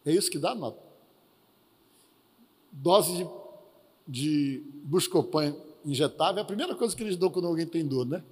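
Brief: Brazilian male preacher, high-pitched, telling a lively testimony, reverberant church. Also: moderate pace, long pauses, breathy edge. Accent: Brazilian Portuguese. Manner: lively storytelling with acted quotes. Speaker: pastor. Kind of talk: sermon testimony storytelling.

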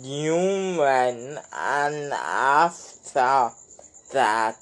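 An interview host asking questions in a halting way with many pauses. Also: mid-range voice, animated. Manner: very slow, halting, drawn-out questions. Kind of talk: interview hosting.

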